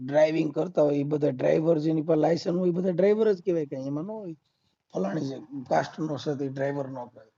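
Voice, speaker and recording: A fast-talking man with a slightly high, dark voice and a Gujarati accent is locked in a heated phone argument. Combative and insistent, he keeps firing rhetorical questions, all heard through a muffled lo-fi call recording.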